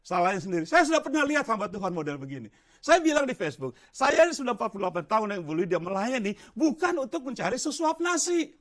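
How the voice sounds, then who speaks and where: A man's voice: high-pitched, big pitch swings, quick pace, a bit bright. An older man preaching a sermon as pastor in a church, quizzing his congregation and slipping English phrases into his talk.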